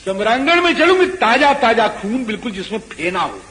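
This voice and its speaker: A man's voice: extremely high pitch, big pitch swings, normal speed, pushed and bright, heavily acted. A man voicing a bloodthirsty demoness who craves fresh, foaming blood. She speaks in a gloating, insistent way, and the voice rings in an echoey hall. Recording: echoey hall with faint noise.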